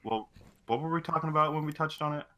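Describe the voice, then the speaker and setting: A man's voice: fairly high pitch, fast, bright, forceful tone. A man co-hosting a casual podcast chat in a laid-back, wry, joking way. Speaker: podcast co-host.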